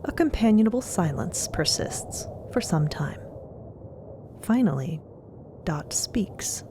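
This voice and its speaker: A woman narrating scripted audio fiction in a deliberate, descriptive, dramatic style. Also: on the low side, expressive, whispered.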